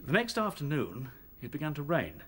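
A man playing a battle-worn rabbit captain in a radio drama, halting as he recounts horrors. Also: on the high side, huge pitch swings, a bit bright, breathy edge, heavily acted. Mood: grave. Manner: halting, searching for words.

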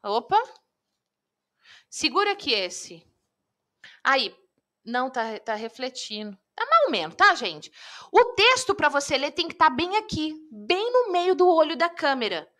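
A woman coach teaching public speaking in a live online lesson, lively and talking straight to viewers. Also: high-pitched, measured pace, long pauses. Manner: lively, addresses viewers directly.

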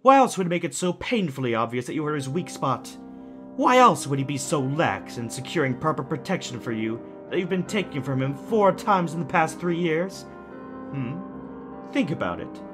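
Male actor as taunting kidnapper, fairly high voice, very animated, theatrical, calculating, music behind, audio drama. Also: natural voice. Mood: sly goading. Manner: mocking, drawn-out, deliberate phrasing.

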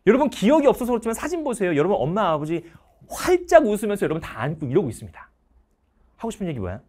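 A man's voice: sits high, huge pitch swings, racing, a little mellow. A middle-aged male teacher giving a motivational talk to students, acting out parents and everyday scenes as he goes. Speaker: Korean history teacher.

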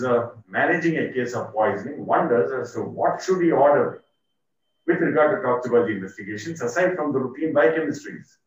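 A man with an Indian accent gives a formal, measured medical lecture, his voice muffled by the face mask he is speaking through. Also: mid-range voice. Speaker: toxicology lecturer, poison centre doctor. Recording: muffled, very echoey, distant microphone.

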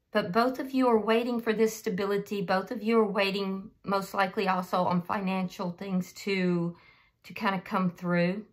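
A slightly hoarse woman giving a casual, unscripted tarot reading and speaking directly to the listener as the channel's host. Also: medium pitch.

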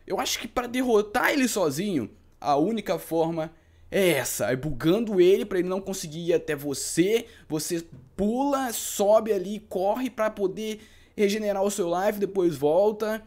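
A young man with a Brazilian Portuguese accent giving live gameplay commentary, excitable and frantic, repeating words. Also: high voice, moderate pace. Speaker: gaming YouTuber.

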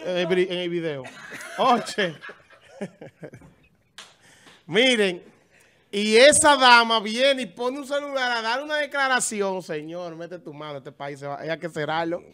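Bright, very high-voiced man. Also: measured pace, long pauses, smooth. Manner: teasing, emphatic, joking. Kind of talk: casual gossip chat.

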